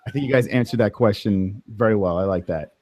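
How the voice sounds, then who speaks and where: A man's voice: fairly low pitch, brisk, dark tone. A man with a New York accent hosting a casual livestream interview, joking and laughing often. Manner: joking, laughs often, stumbles over words. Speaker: host.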